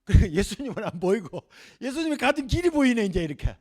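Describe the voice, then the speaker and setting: A middle-aged male professor gives a Bible lecture. His voice sits high and leaps around expressively. He acts out the scenes vividly for the class. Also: very animated, fast, a little mellow.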